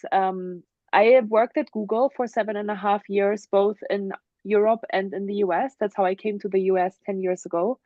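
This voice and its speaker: A woman's voice: medium pitch, a little mellow, no echo. A woman in her thirties with a German accent, a guest telling her personal story in an earnest, open way with frequent ums. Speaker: interview guest. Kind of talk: casual interview, personal story. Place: home in the mountains. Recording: dull, dry video-call audio.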